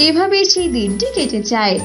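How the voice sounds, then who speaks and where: A woman narrates a children's story from a script. Her voice is high and animated, with music playing behind her. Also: moderate pace.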